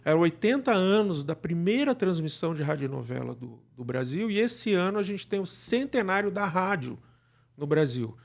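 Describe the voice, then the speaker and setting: Man, Brazilian Portuguese accent, fairly high voice, interview guest, conversational explainer, frequent check-in tags. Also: lively intonation, normal speed, creaky. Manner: explanatory, often checks in with tag questions. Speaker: guest, radio drama producer.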